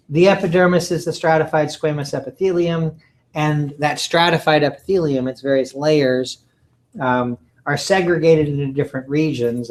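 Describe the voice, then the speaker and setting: A man giving a recorded lecture from slides, halting often with ums and uhs and clearing his throat. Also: medium pitch, rough recording. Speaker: college lecturer.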